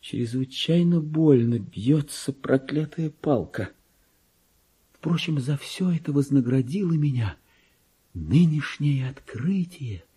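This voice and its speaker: Husky, wildly swinging madman clerk. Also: medium pitch, animated, slow pace, exaggerated voice. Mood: agitated, sly. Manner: theatrical, volatile, swinging from hushed muttering to anguished outcry. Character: deluded, tormented madman clerk who believes himself king. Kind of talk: dramatic radio monologue reading of classic literature.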